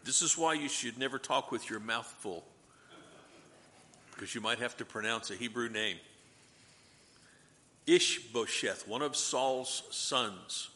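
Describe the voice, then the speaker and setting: A man's voice: mid-range voice, moderate pace, pauses often, pushed and bright, in a large hall, a little hiss or hum. A man teaching a Bible class review. He asks the class questions, answers them himself, and adds light joking asides.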